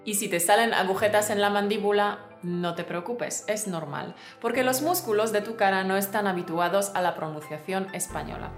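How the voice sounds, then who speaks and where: A woman teaches in a clear, careful, scripted manner, her voice sitting in the middle of the female range. The room adds a noticeable echo, and faint music plays underneath. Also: medium pitch, brisk, hardly any pauses. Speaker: Spanish teacher, co-host. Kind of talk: scripted language lesson. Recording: roomy sound with faint music.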